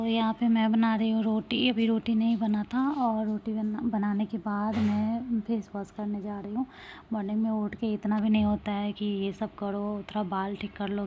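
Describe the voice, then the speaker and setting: A woman's voice: mid-range voice, highs cut off, a little hiss or hum. A woman in her thirties, a mother chatting casually in a daily home vlog, rambling with lots of fillers. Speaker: vlogger, mother.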